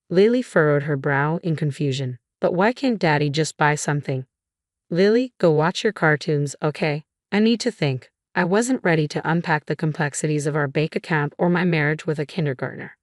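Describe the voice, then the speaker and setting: Low-voiced woman narrating a story. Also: no room sound, clean studio sound. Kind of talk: first-person story narration.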